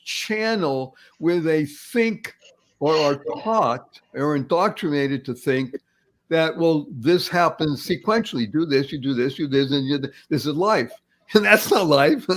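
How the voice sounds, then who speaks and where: A man in his seventies hosts a casual podcast chat, his voice sitting a little high for a man. He talks in an animated, rambling way, laughing easily and doubling back on his words. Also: rough recording. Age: 70s. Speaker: podcast host.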